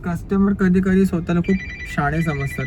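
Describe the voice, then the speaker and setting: Young male driver vlogger, Marathi accent, somewhat high voice, animated casual storytelling that acts out quoted customers. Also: moderate pace, background noise. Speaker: ride-hailing driver vlogger.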